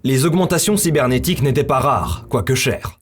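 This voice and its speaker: A man's voice: mid-range voice, lively intonation, a little fast. A man delivering scripted narration for a science-fiction visual novel. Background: music.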